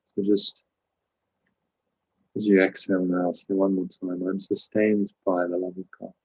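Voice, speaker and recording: Low, husky man guiding a meditation. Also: poor audio. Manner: calm, measured instruction with pauses. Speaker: meditation teacher and host. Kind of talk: guided meditation with spiritual teaching.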